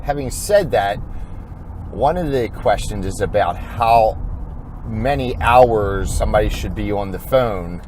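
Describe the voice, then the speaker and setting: A man's voice: mid-range voice, a little mellow, slight background noise. Rambling man giving informal corporate training. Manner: rambling, thinking aloud, halting. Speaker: insurance agent giving training.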